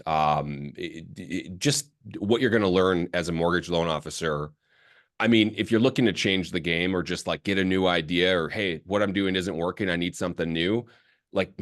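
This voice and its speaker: A man hosting a podcast interview, talking loosely and chattily. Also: low-pitched. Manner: loose and chatty, says "dude". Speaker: podcast host. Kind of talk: casual interview chat.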